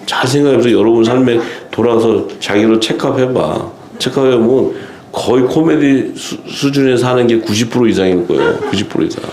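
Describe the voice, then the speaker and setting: Animated Korean pastor in an echoey hall. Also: male voice, mid-range voice, moderate pace, hardly any pauses. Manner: animated, laughing often, acting out quoted lines. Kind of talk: seminar sermon.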